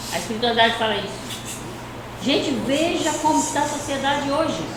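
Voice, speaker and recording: A woman is speaking in a room with audible echo. Noticeable background noise runs behind her. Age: 70s. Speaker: spiritist lecturer. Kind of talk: public religious lecture. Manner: halting, with repetitions.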